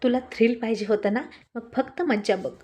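A woman's voice: on the high side, moderate pace, dull audio, close to an everyday voice. A woman reading the lines of a smug, scheming young male prankster. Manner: smug, sly.

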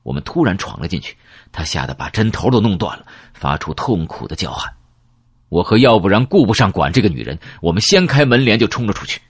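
A man narrating a first-person novel in an expressive storytelling manner. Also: deep voice, fairly quick, breathy edge, dry recording, clean studio sound. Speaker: audiobook narrator.

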